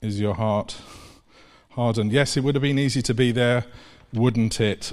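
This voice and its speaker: Recorded very cleanly against a silent background, a man with a plain, everyday voice talks at a moderate pace in a medium pitch. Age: 50s. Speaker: preacher. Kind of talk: sermon. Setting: church. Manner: informal, conversational.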